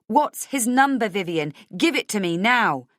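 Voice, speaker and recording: A woman's voice: mid-range voice, animated, unhurried, a bit bright, no room sound, clean studio sound, voice pushed up. A woman playing a desperate, urgent mother in an audiobook, speaking in an insistent, demanding way. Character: desperate, urgent mother hunting for her kidnapped daughter.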